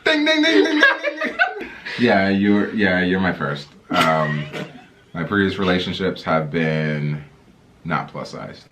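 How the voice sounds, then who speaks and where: Very deep-voiced easygoing young man. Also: slow, pauses often, slight background noise. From Dominican Republic. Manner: easygoing, laughs a lot, lively intonation. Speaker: vlogger's boyfriend. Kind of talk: casual couple chat.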